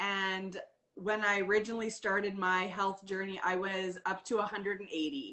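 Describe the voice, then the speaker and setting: Using a normal speaking voice with a Canadian accent, a woman talks at a moderate pace and a medium pitch with ordinary pitch variation. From Canada. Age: 30s. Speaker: app user sharing weight-loss story. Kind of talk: interview testimony.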